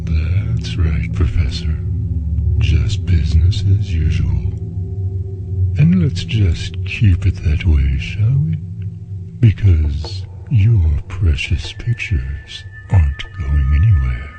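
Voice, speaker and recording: A man acting a smug, menacing villain in a radio drama, speaking in a slow, mocking, sinister way. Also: a bass voice, big pitch swings, full character voice. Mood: smug menace. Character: menacing, smug male villain secretly eavesdropping on researchers. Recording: muffled, dull sound under loud music.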